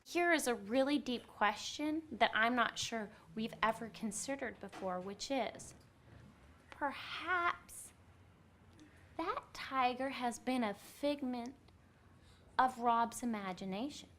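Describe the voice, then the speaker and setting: Woman teacher, bright and crisp, clear expressive delivery for a class read-aloud. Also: fairly high pitch, slow pace, slight background noise.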